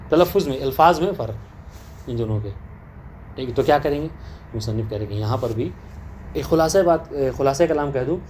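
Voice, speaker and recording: A man's voice: a little high, a little mellow, slight background noise. A man teaching a class on religious law, explaining a text and often checking with rhetorical questions that the students follow. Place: teaching session with students present.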